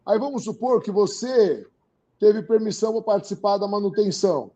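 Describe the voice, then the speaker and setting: Speaking at normal speed in a high voice, this Brazilian Portuguese-accented man is a guest in a casual interview. He gets animated, acting out others' words and repeating phrases to stress his points.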